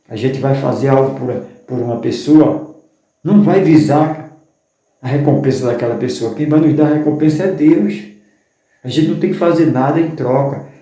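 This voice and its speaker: Fervent preaching man, dark echoey sound. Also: mid-range voice, normal speed. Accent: Brazilian Portuguese. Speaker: pastor. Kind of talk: sermon. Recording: very echoey room.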